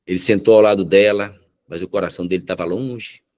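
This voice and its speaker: Brief: a low-pitched man preaching through a story, dramatic and deliberate. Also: steady tone, darkish tone. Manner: dramatic, slows down for emphasis. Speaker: pastor. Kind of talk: sermon storytelling.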